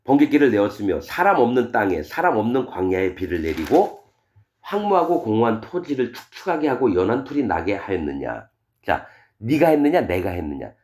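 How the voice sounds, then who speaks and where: A male pastor preaching a sermon, reading verses and retelling them in plain, casual speech, full of rhetorical questions. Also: a little fast. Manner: animated, wide swings in pitch and loudness. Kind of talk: expository sermon reading scripture.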